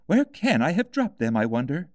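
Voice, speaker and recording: Storybook rabbit: very high, swooping, fretful, bossy and easily vexed. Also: male voice, sing-song, moderate pace, darkish tone, no room sound, clean studio sound. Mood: anxious, fretful. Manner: muttering, fretful, snapping orders.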